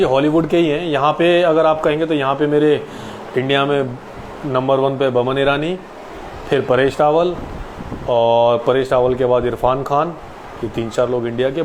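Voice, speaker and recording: A man in his late twenties answers viewers' questions in an easy, polite live chat, calling each of them by name with a respectful "ji". His voice sits at an ordinary middle pitch. A faint air-conditioner hum runs behind him. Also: poor audio. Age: 20s. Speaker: actor hosting a live Q&A.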